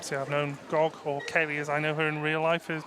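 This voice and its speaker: A man's voice: a little high, completely flat delivery, a little fast, background noise. A man with a Welsh accent doing live roller derby commentary on a headset, chatty and self-mocking, sharing anecdotes between plays.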